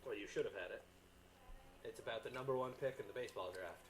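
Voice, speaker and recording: A man's voice: on the low side, fast talker. A man co-hosting a casual sports podcast, laughing often and reading out news items. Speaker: podcast co-host. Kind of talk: casual chat.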